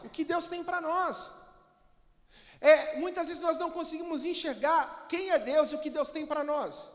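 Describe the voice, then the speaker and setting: A Brazilian pastor preaches an emphatic sermon in a very high, bright, forceful voice, calling on his congregation to answer back. His words ring with a long reverb through a church hall. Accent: Brazilian Portuguese.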